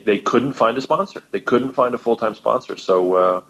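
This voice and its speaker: A man's voice: medium pitch, normal speed, gravelly, muffled recording. A man who is a guest musician on a podcast, chatting casually and emphatically, often repeating words for stress. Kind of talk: casual conversational chat.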